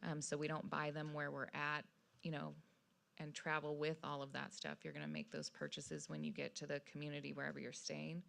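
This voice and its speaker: A woman's voice: sits low, fairly quick, gravelly, a bit bright. A woman on a city council explaining her position in a conversational way.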